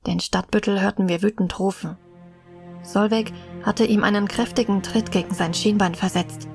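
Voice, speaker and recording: A woman playing a medieval girl who recounts her ordeal in measured, earnest audio drama narration, her voice slightly husky. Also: mid-range voice, steady tone, music in the background, lightly acted. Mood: reflective, worried. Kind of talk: scripted first-person audio drama narration.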